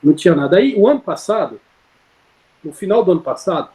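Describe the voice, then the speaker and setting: A man's voice: high voice, big pitch swings, quick pace, mellow. A man telling a personal story in casual conversation, rambling with many fillers and self-corrections, heard over a video call. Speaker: interview guest.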